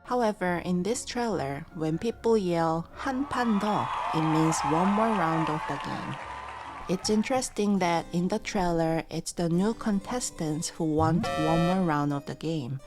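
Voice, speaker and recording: A woman whose first language is Korean explains phrases calmly and methodically, one word at a time, as a language teacher. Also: on the low side, moderate pace, music in the background, a crowd in the background.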